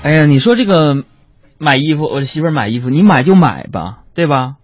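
A man telling a comic story, chatty and animated, talking to his listeners as friends. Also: on the high side, fairly quick, breathy edge, no echo, faint music behind. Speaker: comedian. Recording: dry lo-fi recording.

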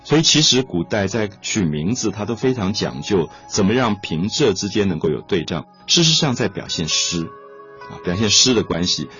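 A man's voice: lowish voice, very animated, normal speed, a bit bright. A man giving a patient lecture on classical poetry, repeating key points and stretching out his particles. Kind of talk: explanatory lecture. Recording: dull lo-fi recording with faint music.

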